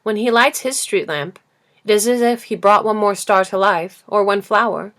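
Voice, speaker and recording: A woman voicing a serious, curious small boy in a storybook, asking simply and thoughtfully with gentle persistence. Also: mid-range voice, normal speed, pitched above the performer's own voice, lightly acted. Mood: thoughtful, earnest. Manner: earnest questioning, simple and thoughtful. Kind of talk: storybook character reading.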